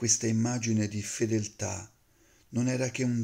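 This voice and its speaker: A man's solemn, dark, mellow voice in monotone, flat intonation, over a quiet background. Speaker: poetry reader. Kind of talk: poetry reading, reading aloud a translated poem. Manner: measured, slow, solemn; expressive, contemplative delivery. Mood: calm, solemn, measured. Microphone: phone near.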